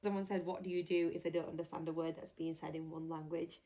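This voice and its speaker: A woman's voice: sits low, level tone, fast talker, dark tone. A woman chatting casually as a parent vlogger answering viewer questions, teasing and laughing easily. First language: English. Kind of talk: casual chat.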